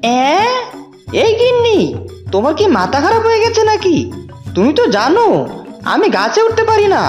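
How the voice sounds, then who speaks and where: Woman voicing a very high, whiny cowardly cartoon fox husband. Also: big pitch swings, moderate pace, darkish tone, reverberant, faint music behind. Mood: worried, reluctant. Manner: whining, stammering repeats when alarmed. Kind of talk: cartoon character dialogue.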